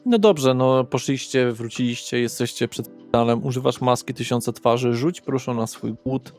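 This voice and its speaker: A man's voice: medium pitch, normal speed, darkish tone. A man working as game master, narrating an improvised tabletop horror role-playing session and addressing the players directly. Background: background music.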